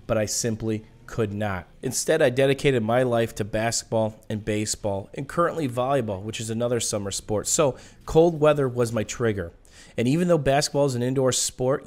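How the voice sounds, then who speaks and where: A short-winded man with a smoker's rasp and audible breathing, casually telling personal stories over video game commentary. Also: medium pitch. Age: adult. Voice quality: raspy smoker's-cough sound. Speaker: gaming video host.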